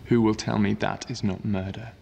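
An actor playing a cold, self-possessed young Roman consul, delivering formal, deliberate political oratory in a screen drama. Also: male voice, on the low side, little pitch movement, creaky, dark tone, highs cut off. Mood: menacing, grave. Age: young adult. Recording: echoing hall, background noise.

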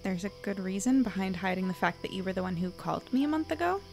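A woman's voice: mid-range voice, animated, fast talker, creaky, darkish tone, faint music behind. A woman playing a wary, frank investigator, narrating and talking in an audio drama. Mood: guarded.

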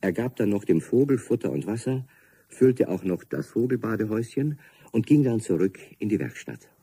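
Low male narrator, bit husky, dry studio sound, reading a kids story. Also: expressive, normal speed, mellow, dry recording. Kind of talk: scripted storybook narration for a children's radio play.

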